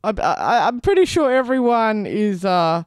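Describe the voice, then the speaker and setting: A woman's voice: mid-range voice, big pitch swings, measured pace, dry recording. Aussie lady radio host in her 30s, joking around, voice bouncing all over, dry studio sound. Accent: Australian. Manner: playful, self-mocking, laughs often. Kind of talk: community radio chat and weather read. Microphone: studio microphone.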